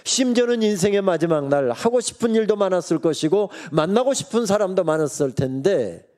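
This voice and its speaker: Lively, mellow-voiced Korean preacher man. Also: high voice, fairly quick. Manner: storytelling preacher who acts out God's and Moses' lines with humor. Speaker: guest pastor preaching at a revival meeting. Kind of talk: sermon. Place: church sanctuary.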